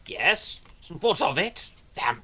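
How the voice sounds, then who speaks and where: A man's voice: on the high side, very animated, slow pace, sharp tone, breathy edge. A man on a live panel chatting casually with a dry, joking manner. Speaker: panel guest.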